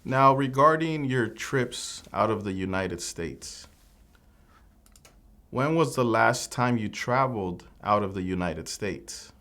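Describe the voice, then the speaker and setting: A man playing an immigration officer in a scripted mock interview, asking formal, measured questions. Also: on the low side, expressive, fairly bright tone.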